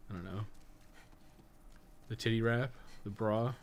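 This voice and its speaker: A podcast co-host plays a video game and rambles casually over it, blunt and sweary in an offhand, grumbling way. His voice sits on the low side, steady and unhurried, with clearly noisy background sound behind it.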